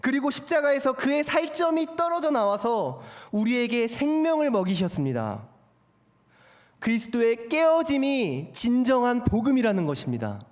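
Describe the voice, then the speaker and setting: Very high-voiced young man preaching in a reverberant church. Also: big pitch swings, normal speed. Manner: earnest, poses rhetorical questions to the congregation. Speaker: assistant pastor preaching. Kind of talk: sermon. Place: church sanctuary at a Friday prayer service. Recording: long reverb of a church hall.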